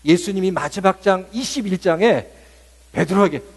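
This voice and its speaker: A man's voice: sits high, normal speed. A male pastor preaching a Holy Week sermon to his congregation. He preaches emphatically, slips English words in, and coaxes the listeners to answer him. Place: church service.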